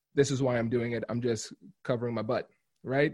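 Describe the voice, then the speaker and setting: Against a quiet background, a man speaks at a medium pitch. His voice is somewhat breathy and his pace fairly quick. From small-town Ohio, Caribbean immigrant household. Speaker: podcast host, lawyer and negotiation trainer. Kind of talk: live virtual town hall presentation and Q&A. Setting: video call / virtual town hall.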